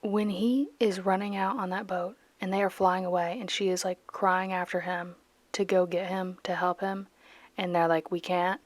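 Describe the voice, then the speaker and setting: A woman's voice: medium pitch, fairly even intonation, normal speed, dry recording. Young woman, casual art vlog voice-over, dramatic, self-mocking, dry close mic. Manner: chatty, dramatic, self-mocking, bursts of laughter. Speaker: art vlogger. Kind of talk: casual voice-over chat while painting.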